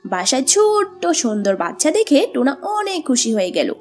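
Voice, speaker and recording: A woman's voice: high-pitched, sing-song, moderate pace, darkish tone, soft background music. A woman giving scripted narration for a children's cartoon story.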